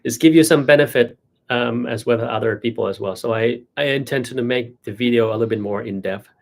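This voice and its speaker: A man's voice: medium pitch, fairly quick, vocal fry. A man with a Thai accent, a native Thai speaker, explaining things as a doctor hosting a casual Q&A. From Thailand. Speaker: doctor and live-stream host.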